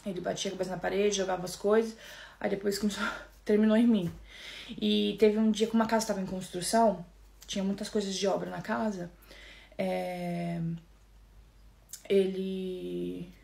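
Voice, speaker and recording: A Brazilian woman with a Brazilian Portuguese accent recounts her own story to viewers. Her voice has a gravelly, fry-edged texture at a middle pitch. She speaks softly, haltingly, and keeps calling out to her listeners. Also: little pitch movement. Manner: soft, halting, often restarting, keeps addressing listeners. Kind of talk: personal storytelling to camera.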